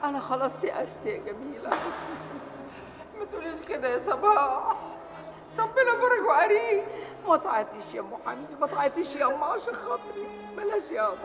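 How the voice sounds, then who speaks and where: A quick, high young Egyptian woman. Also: big pitch swings, long reverb tail. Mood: sorrowful. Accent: Egyptian Arabic. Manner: tearful, consoling family. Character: young woman, hopeless, comforting her family. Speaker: prisoner saying farewell. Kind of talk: TV drama acting. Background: music score.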